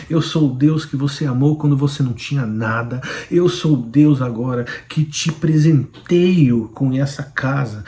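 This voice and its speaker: A man with a Brazilian Portuguese accent voicing God as a solemn male deity who proclaims slowly and emphatically. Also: mid-range voice, mellow, close to an everyday voice. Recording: roomy echoing room.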